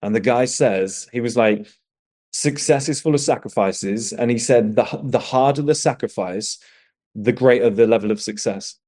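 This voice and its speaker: A man with a dark, mellow voice hands out blunt life advice, swearing freely and pressing his points hard. His pitch sits in an ordinary middle range. He talks like a host lecturing a guest. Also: moderate pace.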